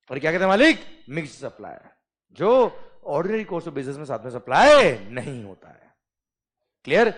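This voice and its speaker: A middle-aged man teaching a classroom of students, lively and constantly checking that they follow. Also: on the high side. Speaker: tax lecturer. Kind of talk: classroom lecture in Hindi-English mix.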